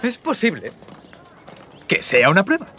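A man's voice: sits high, wildly swooping pitch, a little slow, loud music behind the voice, exaggerated voice. A man dubbing an anxious, earnest young ethics professor in a dubbed TV comedy, talking in a hesitant, fussy way. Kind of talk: Spanish TV comedy dub.

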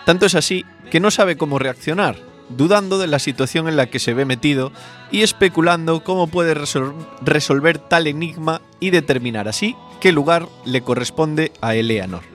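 A man's voice: a little high, normal speed, a bit bright, soft background music. A man reading a scripted TV episode recap in a wry, chatty storytelling tone. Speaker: video narrator.

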